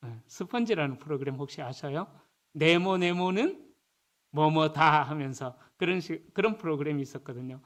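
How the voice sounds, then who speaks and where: A man with a fairly high voice preaches a Sunday sermon in a church. He keeps it conversational and often turns to his listeners for a nod of agreement. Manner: conversational, often checks in with the congregation. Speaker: pastor.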